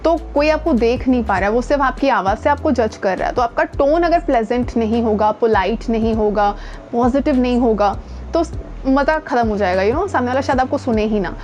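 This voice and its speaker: Fairly high and a little mellow, this woman's voice carries an Indian accent. As a voice training coach and presenter, she teaches conversationally to camera, switching into English at times and leaning on important words.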